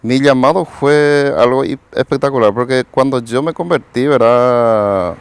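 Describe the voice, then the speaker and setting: A man, a pastor telling his life story in a television interview. His voice is gravelly and mid-pitched. He rambles and tags nearly every phrase with a questioning "right?". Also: unhurried. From Paraguay. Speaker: pastor and evangelist, interview guest. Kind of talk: personal testimony in a TV interview.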